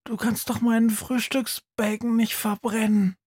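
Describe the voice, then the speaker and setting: A man's voice: high-pitched, level tone, measured pace, slightly rough, pitched above the performer's own voice. A man doing an eager boy detective. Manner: bright eager boyish tone. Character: eager young boy detective, bold and caring.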